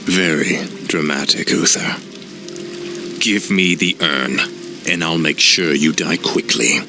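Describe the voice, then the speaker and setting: An actor playing a young fallen prince turned death knight, speaking in a flat, grim, unrepentant way. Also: male voice, very deep voice, takes it slowly, music in the background, heavily acted. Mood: cold. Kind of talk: video game cutscene acting. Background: orchestral score.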